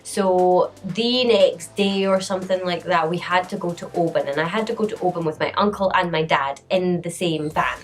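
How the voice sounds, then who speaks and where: A woman in her late twenties telling a storytime vlog in a chatty way, often breaking into laughter. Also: fairly low pitch. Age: late 20s. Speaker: vlogger.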